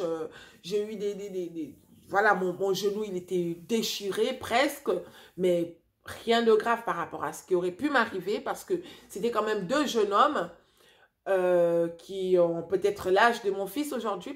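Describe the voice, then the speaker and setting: A woman in her forties from Africa, telling a personal story to her viewers in a chatty, animated way with many fillers and restarts. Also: mid-range voice, unhurried. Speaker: vlogger. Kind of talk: casual storytelling to camera.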